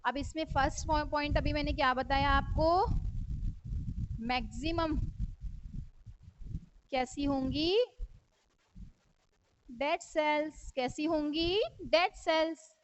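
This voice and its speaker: A woman's voice: high voice, takes it slowly, pauses often. A woman teaching a school science lesson, asking her class questions and answering them herself, with English terms mixed into her speech. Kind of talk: classroom lecture. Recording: dry, dull lo-fi recording.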